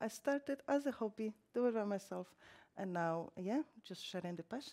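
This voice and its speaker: This woman has a slight Polish accent and a dark, mellow tone, with fairly high pitch, lively intonation and a moderate pace on a very clean recording with a silent background. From Poland. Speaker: nail trainer and distributor. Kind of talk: casual interview and product demo talk.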